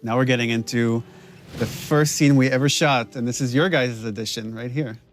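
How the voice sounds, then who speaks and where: A man of average pitch comments on his own video game's cutscenes as their writer and director. He talks in a chatty, halting way, with self-deprecating asides. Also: fairly even intonation, slight background noise. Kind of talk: developer commentary.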